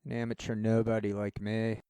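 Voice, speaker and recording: A man's voice: on the low side, monotone, a little fast, warm tone, clean tone, no echo, studio quality. A man talking casually to his channel in a rambling, self-deprecating way, often stopping and restarting his sentences. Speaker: channel host.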